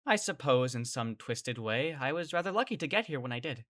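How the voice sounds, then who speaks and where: An actress playing a bewildered, exasperated kid, telling the story in dramatic first person in an audio drama. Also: female voice, rumbling low, expressive, brisk, a bit bright, full character voice. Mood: brooding, narrating. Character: bewildered, exasperated young kid narrating an apocalypse ordeal.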